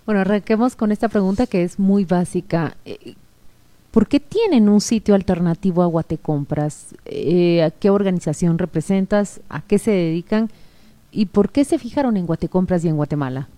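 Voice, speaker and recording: A woman co-hosting a radio interview who asks direct, brisk questions. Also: fairly low pitch, dark tone. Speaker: radio co-host.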